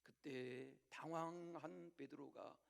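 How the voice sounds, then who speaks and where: Male pastor, high gravelly voice, dramatic sermon delivery that swings from loud to whispered. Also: steady tone, takes it slowly. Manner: direct repeated appeals to the congregation. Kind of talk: Sunday sermon. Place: church service.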